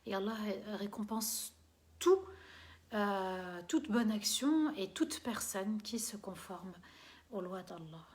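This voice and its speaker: Hesitant woman teacher with soft endings. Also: mid-range voice, animated, slow. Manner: hesitant, frequent fillers and restarts. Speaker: religious teacher. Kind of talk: live stream, answering viewer questions.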